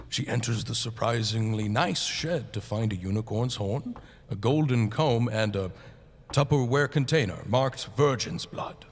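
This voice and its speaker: A man's voice: medium pitch, long reverb tail, slight background noise. A man narrating a comic radio play in a storytelling style.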